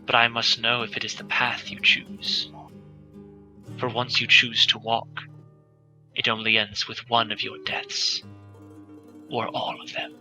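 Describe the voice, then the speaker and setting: Guy doing a spooky solemn fortune teller lady, low n hushed, grave warnings, guitar music behind. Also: level tone. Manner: slow, grave, hushed pronouncements. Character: solemn old female fortune teller, ominous and cryptic.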